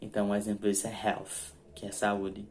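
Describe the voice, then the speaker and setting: A man's voice: fairly low pitch, monotone, a little mellow. A man with a Brazilian accent, a native Portuguese speaker teaching English words and tagging his explanations with "ok?". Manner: explains slowly, drops tag questions (ok?, né?) after each point. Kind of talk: recorded online lesson.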